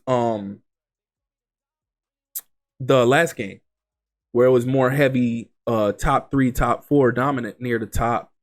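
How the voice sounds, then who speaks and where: A congested man getting over an illness, casually commenting on a basketball video game simulation and rattling off player stats. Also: medium pitch. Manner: reels off stats, chatty and excitable. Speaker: gaming channel host.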